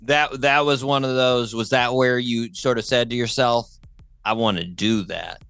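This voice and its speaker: Male talk show host, smooth crisp voice, bright tone, informal and enthusiastic, close dry sound. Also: medium pitch, fairly even intonation, a little slow, no echo. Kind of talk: casual music interview chat.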